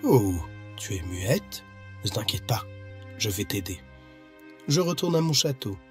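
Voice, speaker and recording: A man's voice: fairly low pitch, very animated, a little slow. A man playing a courteous young prince in a cartoon fairy tale, politely asking questions. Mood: gentle, concerned. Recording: loud music over the voice.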